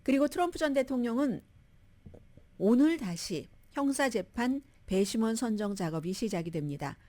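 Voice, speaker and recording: A woman's voice: medium pitch, warm tone. A woman hosting a radio news show, giving chatty, opinionated commentary on the day's news and laughing at her own asides. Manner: chatty, opinionated, quotes people in little voices, laughs at herself. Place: radio studio.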